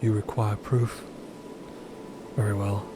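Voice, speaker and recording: A man playing a detached, evasive space explorer in an audio drama, laconic and deadpan. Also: lowish voice, slow, background noise. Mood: matter-of-fact. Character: Dot, detached, evasive, devil-may-care space explorer.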